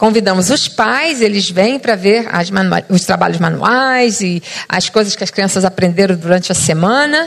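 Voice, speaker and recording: Over noticeable background noise, a woman of medium pitch speaks at a moderate pace with lively intonation. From Brazil. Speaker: missionary. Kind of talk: church talk / missionary report. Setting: church service.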